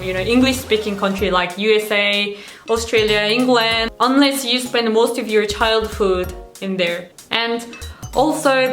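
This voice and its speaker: Woman, Korean accent, twenties, casual self-deprecating vlog chat, echoey room. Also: medium pitch. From South Korea. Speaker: vlogger.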